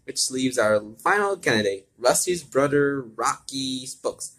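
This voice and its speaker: Man reading as a brisk, bossy young woman teammate. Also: mid-range voice, lively intonation, a bit bright, pitched above the performer's own voice. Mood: brisk, decisive.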